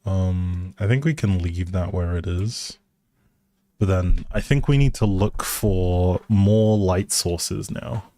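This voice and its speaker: A man's voice: low voice, takes it slowly, warm tone, dry recording. A man giving casual live game commentary as a streamer, musing aloud in a hesitant way.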